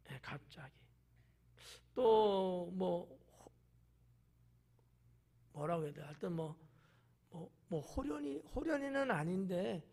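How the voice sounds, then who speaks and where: A man's voice: high voice, creaky. A male pastor giving a conversational sermon, explaining the passage and asking the congregation questions. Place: church.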